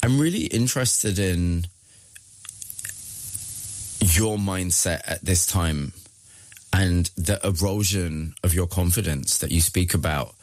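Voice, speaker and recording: Low-voiced male interviewer. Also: slow pace, long pauses, a little mellow, no room sound. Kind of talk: interview questions.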